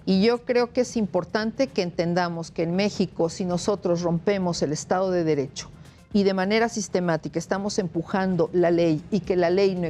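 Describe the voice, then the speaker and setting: A woman's voice: medium pitch, mellow. A woman speaking as a guest on a political panel, grave and earnest.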